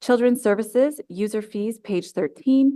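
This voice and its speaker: Over a quiet background, a woman's voice comes through dry and close with no echo. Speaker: city councillor, committee vice chair. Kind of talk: reading aloud a formal motion. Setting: council committee meeting room. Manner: fast.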